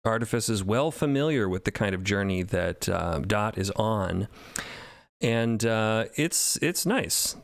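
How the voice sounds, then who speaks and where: A man's voice: lowish voice, lively intonation, measured pace, creaky, dry recording, clean studio sound. A man, one of the show's creators, talking thoughtfully in a casual roundtable discussion and laughing easily. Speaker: podcast co-creator.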